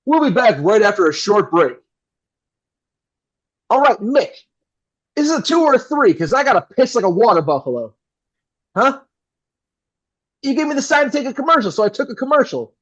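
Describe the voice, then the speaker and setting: A man's voice: extremely high pitch, very animated, moderate pace, pauses often, muffled recording, full character voice. A man playing a slick, enthusiastic 1960s radio host who can turn into a crude jerk. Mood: crude, flustered. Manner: enthusiastic, showy patter. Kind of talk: 1960s radio announcer acting.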